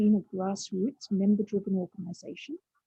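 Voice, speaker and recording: A woman speaks in a somewhat breathy voice at a moderate pace. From Australia. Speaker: robotics industry organization director. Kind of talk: meetup presentation. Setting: hybrid online meetup.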